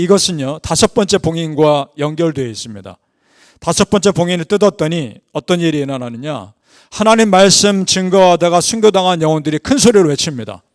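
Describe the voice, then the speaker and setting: A man's voice: dry recording, studio quality. A man preaching an early-morning sermon as pastor, earnest and emphatic, leading the congregation through scripture. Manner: earnest preaching, rising with emphasis then dropping low; leads congregation in scripture reading.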